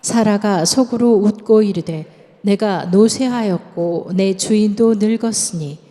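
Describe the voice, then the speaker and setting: A woman reading scripture aloud in a steady, measured way. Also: mid-range voice. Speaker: scripture reader. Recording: long church reverb.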